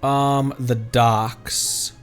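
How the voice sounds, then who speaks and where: A man's voice: mid-range voice, flat delivery, very slow, soft background music. A man who streams games as a VTuber, chatting casually and rambling as he thinks aloud. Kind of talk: casual livestream chat while gaming.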